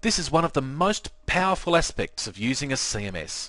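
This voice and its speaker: In an Australian accent, a man talks at a moderate pace with very wide pitch swings. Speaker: online course instructor. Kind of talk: tutorial.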